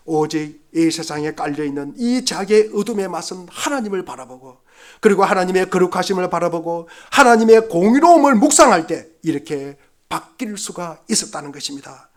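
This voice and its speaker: A man preaching a Sunday sermon as pastor, fervent and emphatic, repeating phrases and dropping to hushed passages. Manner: fervent preaching, swinging from loud exhortation to hushed low passages.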